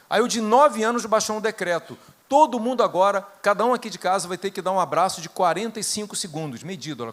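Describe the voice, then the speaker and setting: A middle-aged Brazilian man with a Brazilian Portuguese accent, serving as a guest preacher, delivers a sermon built on personal stories. His fairly high voice swells into loud bursts and then drops to hushed tones.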